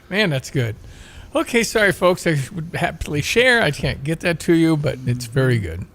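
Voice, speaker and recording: A man's voice: fairly high pitch, animated, normal speed, fairly bright tone. A man hosting a casual morning radio show, joking at his own expense and chatting with his guests. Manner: jokey, self-deprecating, talks while eating.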